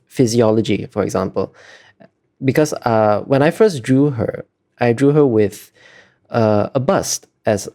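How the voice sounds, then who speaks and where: A man's voice: fairly low pitch, dark tone. A man giving earnest, hesitant interview answers as an illustrator, often searching for his words.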